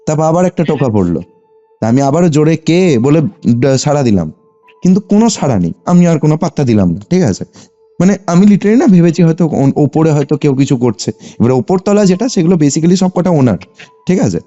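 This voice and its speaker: A young man with a West Bengal Bengali accent calls in and animatedly tells a personal story, often using short tags to check the listener is following. His voice is fairly high and fairly quick. The phone line is muffled and lo-fi, with music playing behind him.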